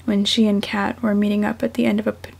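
Young female amateur fiction reader. Husky, creaky, soft-spoken, unhurried. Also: mid-range voice, flat delivery. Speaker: fan fiction author and podfic reader. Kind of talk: audiobook-style story narration, then casual self-conscious chat.

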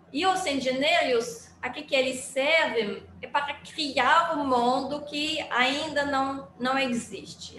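A woman with a Quebec French accent gives a halting academic talk over a laptop microphone, full of fillers and restarts. Her voice sits a little high. The room is echoey, with faint background ambience. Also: a bit bright, slight background noise. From Montreal, Canada. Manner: hesitant, many fillers and restarts. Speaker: guest speaker, engineering physicist. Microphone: laptop mic on a video call.

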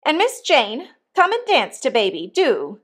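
Woman putting on a brisk, high-pitched nursemaid. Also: wildly swooping pitch, a bit bright, heavily acted. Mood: brisk concern. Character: brisk, bossy female nursemaid ordering the household about.

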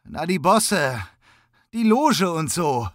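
A frightened young suspect in an audiobook, whining and close to tears, his voice pitched well up and pushed loud, as a male narrator puts him on. The sound is close and dry. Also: lively intonation, normal speed, dry recording. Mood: pleading. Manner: tearful, pleading.

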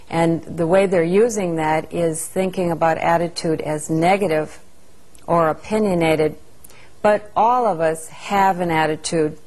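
Calm, low-voiced woman narrating a lesson. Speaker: instructor narrating a training lesson. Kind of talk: scripted narration.

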